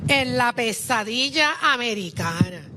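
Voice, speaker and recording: A woman's voice: fairly high pitch, lively intonation, unhurried, sharp tone, slight background noise. A Puerto Rican woman giving an impassioned speech at an outdoor political rally, rousing the crowd in a Puerto Rican accent. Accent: Puerto Rican Spanish. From Puerto Rico. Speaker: rally speaker.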